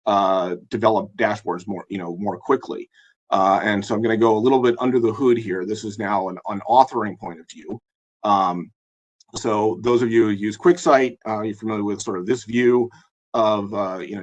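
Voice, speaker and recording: A man with a hoarse, husky voice presenting a live software demo in a webinar, talking in a halting way with many fillers and restarts. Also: fairly low pitch. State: hoarse, losing his voice.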